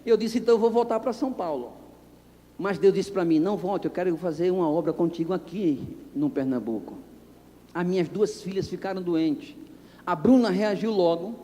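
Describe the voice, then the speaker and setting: A man preaching as a pastor, telling stories and acting out the dialogue with sudden shouts. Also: high voice, moderate pace. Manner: animated, acts out dialogue, bursts into shouts. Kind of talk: storytelling sermon. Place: church anniversary service. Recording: long reverb of a church hall.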